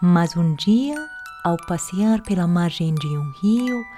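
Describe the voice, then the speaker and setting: Music plays behind a woman with a non-native accent whose pitch swings very widely. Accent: foreign accent in Portuguese. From Europe. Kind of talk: fairy tale reading.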